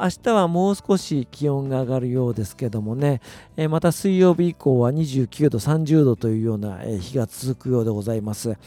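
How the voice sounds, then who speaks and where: Male solo radio host, very polite and self-deprecating. Mellow, slightly rough voice with animated intonation, over music. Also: mid-range voice. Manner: very polite, formal Japanese phrasing. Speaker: radio-style talk host, music producer and voice coach. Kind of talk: solo monologue, chatty radio-style talk.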